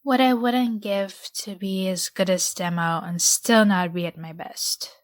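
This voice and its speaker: A woman playing a wry, self-deprecating, resentful ordinary human in an audio drama, speaking in a measured way. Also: mid-range voice, steady tone, lightly acted.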